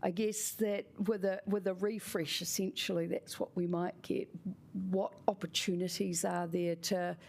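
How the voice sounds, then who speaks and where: A woman's voice: on the low side, vocal fry, a little mellow. A woman councillor asking a question in a casual, searching way with lots of fillers. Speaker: city councillor.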